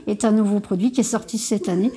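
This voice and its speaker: A woman's voice: mid-range voice, quick pace, mellow, slight background noise. A woman speaking off the cuff in an interview as a tourist office manager, often searching for her words. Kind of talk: unscripted interview, presenting colleagues and local products.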